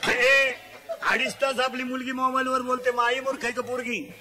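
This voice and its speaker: A male preacher delivers a comic devotional sermon in a high, carrying voice. He scolds in a folksy way and fires questions at the listeners. A large live crowd is heard shouting answers and laughing. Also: monotone, moderate pace. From Maharashtra. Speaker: kirtan preacher. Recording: live event with a loud crowd. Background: crowd responding and laughing.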